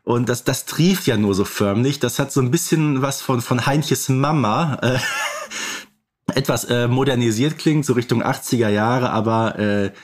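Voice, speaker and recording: A man's voice: mid-range voice, normal speed. Man in casual, hesitant podcast chat. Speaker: podcast co-host.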